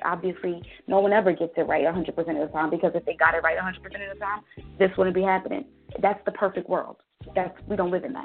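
Music plays in the background as someone talks at a very fast pace. The speaker has an American accent and ordinary pitch variation. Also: woman. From New Jersey. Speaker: radio host. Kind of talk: casual chat. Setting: studio.

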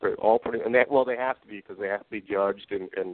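A man speaks with a New York accent. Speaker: cosplayer and musician. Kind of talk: casual chat. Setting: radio show.

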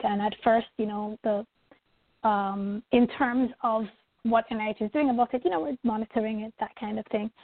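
A woman with a Jamaican accent, fairly high pitch, fairly even intonation and a moderate pace. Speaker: doctor and clinical researcher. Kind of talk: casual interview. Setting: live radio show.

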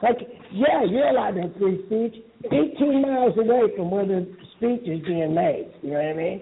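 Against noticeable background noise, a man with a high pitch talks at a moderate pace with lively intonation. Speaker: rock singer and artist. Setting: phone call.

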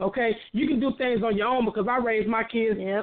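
Fairly quick and fairly high in pitch, a woman talks in a normal speaking voice with ordinary pitch variation. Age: 40s. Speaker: hospital worker and mother calling in. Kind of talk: call-in radio discussion.

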